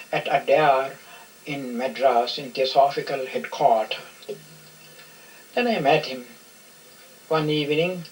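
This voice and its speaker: Over noticeable background noise, a man with a fairly high pitch speaks fairly slowly, his intonation lively. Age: 80s+. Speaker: Buddhist monk. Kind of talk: interview. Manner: halting.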